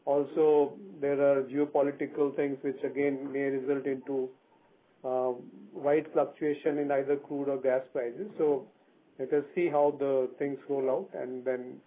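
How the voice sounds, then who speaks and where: Indian executive on a tinny phone line. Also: male voice, mid-range voice. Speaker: company executive answering analysts. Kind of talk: conference call answers. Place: telephone conference call.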